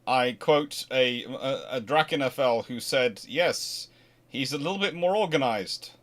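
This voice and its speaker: A man at a middle, ordinary pitch, hosting a relaxed viewer Q&A. He rambles through his answers, trailing off and restarting sentences as he thinks aloud. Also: measured pace. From Scotland. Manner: rambling, self-correcting, animated asides. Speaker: host answering viewer questions. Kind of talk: casual livestream Q&A.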